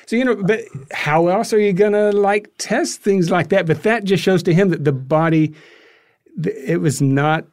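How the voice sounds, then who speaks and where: A man being interviewed as a guest, telling anecdotes conversationally and haltingly as he thinks aloud. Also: sits high, darkish tone, no echo, studio quality.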